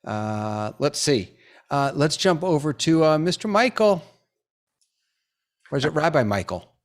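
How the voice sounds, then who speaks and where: A man's voice: fairly high pitch, sing-song, unhurried. A man hosting a live webinar over a video call, chatty and upbeat with lots of fillers. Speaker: webinar host.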